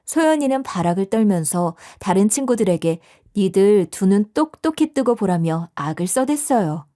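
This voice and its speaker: A woman's voice: medium pitch, animated, normal speed, warm tone. Woman narrating a dramatic personal story. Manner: confiding, conversational.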